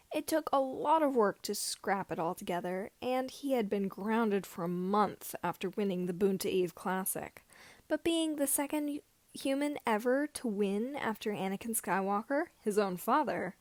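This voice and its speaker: A woman with a fairly high voice reads a story aloud as narration. Her phrasing halts a little here and there. The sound is dry, with hardly any room to it. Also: no room sound. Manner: somewhat halting phrasing. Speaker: podfic reader. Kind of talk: fan fiction audiobook narration.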